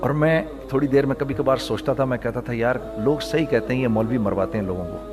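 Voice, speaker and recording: Music in the background behind a man's medium-pitched voice with ordinary pitch variation. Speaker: Islamic preacher and former pop singer. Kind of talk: religious sermon (bayan). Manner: sweet, rich, code-switching between Urdu and English.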